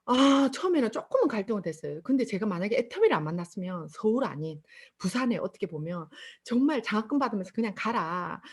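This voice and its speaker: A middle-aged woman with a Busan Gyeongsang accent, giving an animated testimonial speech to an audience and acting out the voices in her stories. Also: medium pitch, slightly rough. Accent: Busan Gyeongsang dialect. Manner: animated storytelling with acted-out quotes. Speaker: motivational speaker at a sales seminar.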